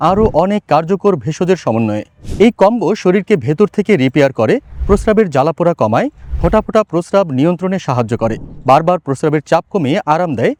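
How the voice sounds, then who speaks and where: A man's voice: fairly high pitch, a little mellow. A man reading a scripted product advertisement as a voice-over artist.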